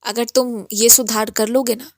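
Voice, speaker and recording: A gentle, coaxing spiritual master counsels a devotee in a devotional message, voiced by a woman in her own fairly high voice. The delivery is instructive and patient. The recording is dry and close, with no room sound. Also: steady tone, normal speed, no room sound, natural voice. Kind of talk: devotional message read in first person as the master.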